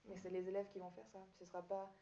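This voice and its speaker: Soft-toned woman answering interview questions. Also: medium pitch, flat delivery, fast talker, a little hiss or hum. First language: Italian. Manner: hesitant, many fillers and restarts. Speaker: student teacher. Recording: dull echoey room recording.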